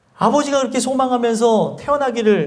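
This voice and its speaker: A man is speaking. He keeps a moderate pace. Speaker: church pastor. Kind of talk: sermon at a Sunday church service.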